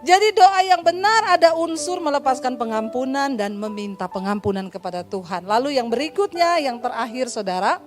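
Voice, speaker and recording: A woman pastor with an Indonesian accent preaching a sermon, telling stories lively and acting out the voices of the people in them with humorous asides. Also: sits high, moderate pace, few pauses, soft background music. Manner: lively storytelling, acts out dialogue, humorous asides.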